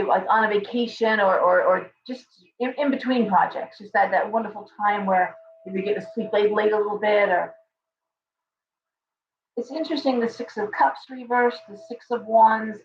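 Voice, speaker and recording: A woman hosting a casual tarot livestream, chatty and hoarse, thanking viewers by name as she reads the cards. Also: mid-range voice, distant mic, a little hiss or hum. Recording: dull, roomy livestream audio from off-mic.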